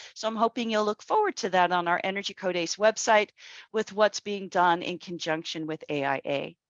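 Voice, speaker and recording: An ordinary speaking voice, a woman talks at a fairly quick pace in a medium pitch with ordinary pitch variation, the sound dry and close with no echo over a quiet background. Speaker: energy code consultant and trainer. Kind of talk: webinar lecture.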